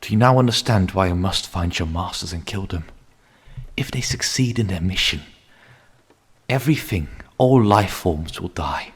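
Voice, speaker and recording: A man playing a grim, menacing vampire hunter in an ASMR roleplay, speaking slowly and solemnly in a husky voice that often sinks into a whisper. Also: deep voice, expressive. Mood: scornful urgency. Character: grim male vampire hunter, menacing yet pleading captor. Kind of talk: ASMR roleplay, dramatic monologue.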